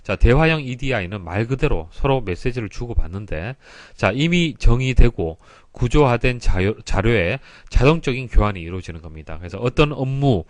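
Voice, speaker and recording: A man's voice: mid-range voice, animated, moderate pace, hardly any pauses, dry recording. A man giving an explanatory exam prep lecture in a didactic way, stressing key terms and explaining politely. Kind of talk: explanatory lecture, reading and solving exam questions.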